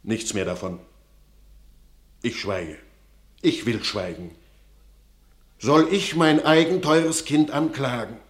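An aging peasant father, pious and anxious, in a classical radio play. He speaks very deliberately at a middling pitch, with solemn declamation and a stern, foreboding temper. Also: expressive. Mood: fearful warning. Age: older.

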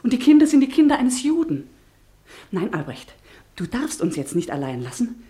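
A woman's voice: on the high side, sing-song, normal speed, warm tone. A woman playing a distressed, devoted wife and mother in a German radio drama, urgent and imploring. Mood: desperate pleading.

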